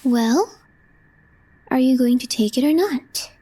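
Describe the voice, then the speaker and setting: A woman playing a calm, deadpan young female coworker with a crush in an ASMR roleplay, speaking softly and breathily in measured, short phrases. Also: high-pitched, heavily acted. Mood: quietly fond. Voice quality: soft, breathy, half-whispered. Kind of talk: intimate ASMR roleplay, scripted.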